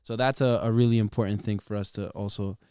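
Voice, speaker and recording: A man with a smooth, clear voice recorded close and dry. He talks casually as a guest artist in an interview, slipping between Spanish and English. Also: lowish voice, steady tone, normal speed, warm tone, dry recording. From Toronto, Canada. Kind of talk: casual bilingual interview chat.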